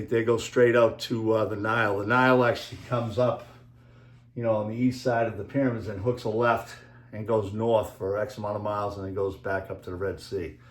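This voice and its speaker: A man with a Boston accent rambling through a casual monologue, halting often with fillers as he talks over slides. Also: on the low side, echoey room. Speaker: video creator and author.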